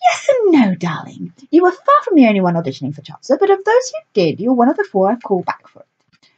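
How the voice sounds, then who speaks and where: A woman's voice: on the high side, huge pitch swings, fast talker, a little mellow, husky, highs cut off, voice pushed up, heavily acted. A woman voicing a grand, theatrical stage director who calls everyone darling, in a storybook reading.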